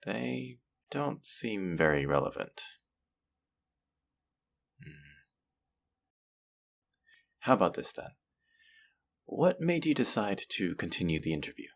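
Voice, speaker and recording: Male actor as feared supervillain, gravelly, swooping intonation, businesslike, dry amusement, condescending, audio roleplay. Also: on the low side, sing-song, exaggerated voice. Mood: amused, measured. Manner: theatrical, dry, politely condescending, drawn-out pauses. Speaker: supervillain interviewing a job applicant. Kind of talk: audio roleplay acting, addressing the listener.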